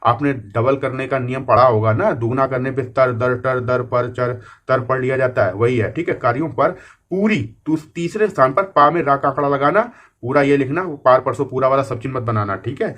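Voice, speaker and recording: A man's voice: medium pitch, moderate pace, a bit bright. A man teaching a shorthand class online, explaining each outline step by step and checking in with his students often.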